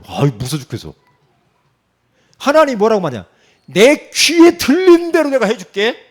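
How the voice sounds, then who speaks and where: Male pastor, sermon delivery, very lively pitch, slightly high, playful colloquial preaching with acted-out quotes. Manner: animated, acts out quoted speech, frequent "응?" prompts.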